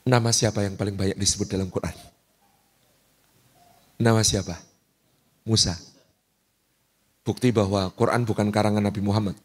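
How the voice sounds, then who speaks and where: A man giving a sermon in a lively, humorous storytelling manner. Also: fairly low pitch, moderate pace, long pauses, slightly rough. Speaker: preacher.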